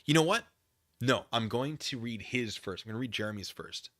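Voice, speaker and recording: American guy streaming, kinda low but bright forceful voice, rambles and loses his train of thought, real dry audio. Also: fairly quick, no echo. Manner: animated, digressive, often losing his thread. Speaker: livestream host. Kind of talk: casual rambling livestream commentary, reading chat comments.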